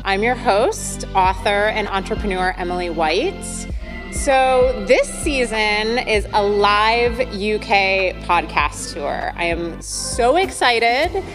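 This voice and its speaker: A woman's voice: mid-range voice, lively intonation, takes it slowly, music in the background. Chatty Midwestern American woman in a hall. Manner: enthusiastic, chatty, with fillers. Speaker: podcast host. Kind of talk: podcast intro monologue. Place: arts centre venue. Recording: long hall reverb.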